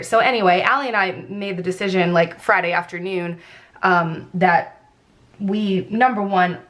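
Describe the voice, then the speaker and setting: Female vlogger, congested with a fully blocked nose and a bit scratchy, chatty and informal, medium pitch. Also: a bit bright. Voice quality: slightly scratchy throat. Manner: informal, rambling, frequent "like". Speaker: planner vlogger. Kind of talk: casual chatty craft video narration.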